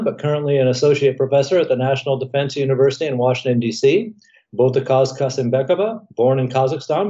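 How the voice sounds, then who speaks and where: A man hosts a talk podcast, introducing his guests in a measured, formal delivery. His voice is mellow and warm at a middle pitch. Faint music plays softly underneath. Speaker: podcast host. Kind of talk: scripted show introduction.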